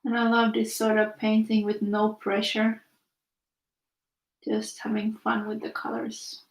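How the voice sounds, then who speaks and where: Young woman, Finnish accent, high-ish voice, relaxed live-stream chatter, roomy echo. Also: measured pace. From Finland. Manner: chatty, reads viewer comments aloud. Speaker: art teacher streaming live. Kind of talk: casual chat while painting.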